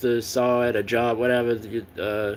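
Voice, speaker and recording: Noticeable background noise sits behind a man speaking at medium pitch with an American accent. His intonation is monotone and flat. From Baltimore, Maryland, US. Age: 40s. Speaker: sports vlogger. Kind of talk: personal monologue. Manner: halting.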